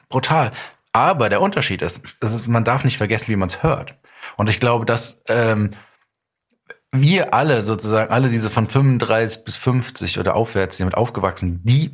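Low-voiced middle-aged man in conversation. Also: breathy edge. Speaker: podcast guest, audio drama writer and director. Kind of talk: casual conversational interview, explaining and telling anecdotes.

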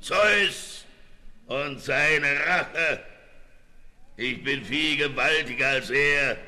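An actor playing a boastful, cruel man-eating Cyclops in an audio drama, booming and grandiose. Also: pushed and bright, full character voice. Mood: menacing, gloating. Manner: booming, grandiose, slow threatening delivery. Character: boastful cruel male Cyclops giant, menacing man-eater. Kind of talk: German audio drama acting.

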